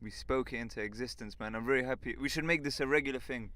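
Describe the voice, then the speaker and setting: A young man with a London accent and a monotone voice, joking around as podcast co-host in a car. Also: mid-range voice, fast talker, no echo. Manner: laid-back, joking. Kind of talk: casual banter podcast. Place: inside a parked car.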